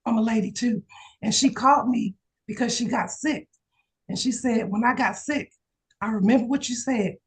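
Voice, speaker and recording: A hoarse woman insurance agent sharing her news in an excited, chatty way on a video call. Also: fairly high pitch, normal speed, low-quality recording. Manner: excited, testimonial chat with laughs. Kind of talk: casual video call chat.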